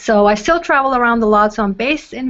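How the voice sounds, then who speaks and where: A woman with an American accent has an unremarkable speaking voice, pitched fairly high. She talks at a moderate pace with ordinary pitch variation. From expat childhood, mainly USA, Iranian-born. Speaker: business consultant and university lecturer. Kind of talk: online video hangout interview.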